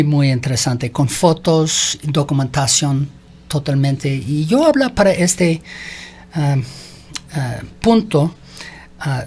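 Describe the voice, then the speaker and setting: A man whose first language is English, speaking halting learner Spanish as a radio interview guest, slipping into English fillers. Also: on the high side. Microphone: studio microphone.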